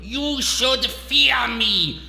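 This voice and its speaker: Slow, theatrical, deranged doctor villain. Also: male voice, medium pitch, wildly swooping pitch, pushed and bright, full character voice. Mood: grandiose rage. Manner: pompous, theatrical, over-enunciated. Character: smug, deranged male doctor villain with grandiose, apocalyptic menace. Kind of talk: video game villain acting. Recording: echoey reverberant hall, faint music behind.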